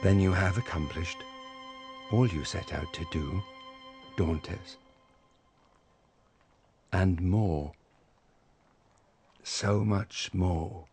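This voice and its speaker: An actor playing a broken aristocratic father who speaks slowly and with icy sarcasm in a radio drama. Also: low voice, a little mellow, heavily acted. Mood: bitter. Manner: slow, icy, bitterly sarcastic. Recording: music score behind.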